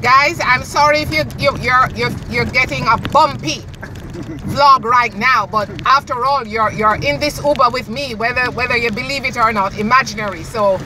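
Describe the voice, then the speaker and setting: Jamaican lady vlogging from a car, kinda high voice, heavy traffic noise around. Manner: slow, chatty, addresses viewers directly. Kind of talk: casual vlog talk. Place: back seat of a moving car in traffic. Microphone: phone camera in the car. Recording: car and road noise, distant mic.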